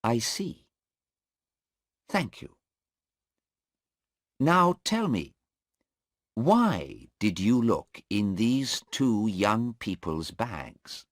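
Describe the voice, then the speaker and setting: Guy doing a sharp insistent lawyer, voice jumps way up, slow and dry. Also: fairly low pitch, very animated, no echo, pitched above the performer's own voice, heavily acted. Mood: pressing. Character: defence lawyer, man, sharp and pressing.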